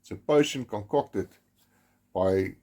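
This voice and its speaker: A South African man whose first language is Afrikaans narrates a documentary. His fairly low voice is dark, mellow and a little husky, and his grave, measured delivery leans hard on key words, with emphatic stresses and some restarts.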